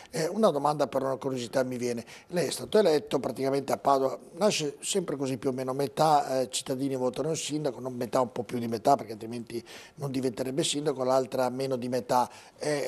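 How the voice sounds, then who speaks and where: A man's voice: medium pitch, quick pace, hardly any pauses, darkish tone, husky. A man with a Veneto Italian accent hosting a TV studio interview, chatty, and cuts in politely with teasing remarks. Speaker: TV talk show host.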